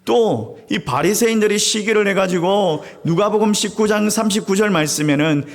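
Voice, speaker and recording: A man's voice: high voice, normal speed. A man, the senior pastor, preaching a Sunday sermon in a church sanctuary. He tells stories animatedly, acts out crowds and weeping, and keeps turning to speak straight to the congregation. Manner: often appeals directly to the congregation.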